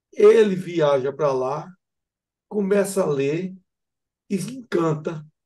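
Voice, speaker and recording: This man's dark, mellow voice sits high for a male, moving at a very slow pace with long, frequent pauses and ordinary pitch variation. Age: 70s. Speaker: spiritist speaker. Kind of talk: interview conversation. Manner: halting.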